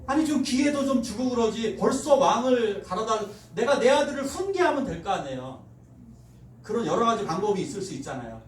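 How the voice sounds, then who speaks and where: A pastor giving a Sunday sermon, telling stories and acting out quoted lines with laughter. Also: male voice, very high-pitched, brisk, slight background noise. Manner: animated storytelling, acts out quoted voices with laughter. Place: church sanctuary. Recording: roomy church hall, mic at a distance.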